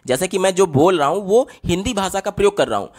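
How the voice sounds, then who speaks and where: High-voiced male Hindi-medium teacher. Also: expressive, fast, a little mellow. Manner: explains step by step, asks and answers his own questions, repeats "theek hai?"; writes on a board while explaining. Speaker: teacher solving exam papers. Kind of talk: exam-paper lesson explanation.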